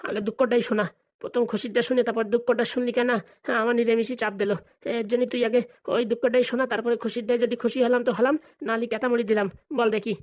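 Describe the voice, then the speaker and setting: A woman's voice: fairly high pitch, flat delivery, a little mellow, close to an everyday voice. A woman voicing a scheming, money-hungry village father in a comedy cartoon, scolding and bantering. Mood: scolding, impatient. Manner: rapid, colloquial, bantering scolding.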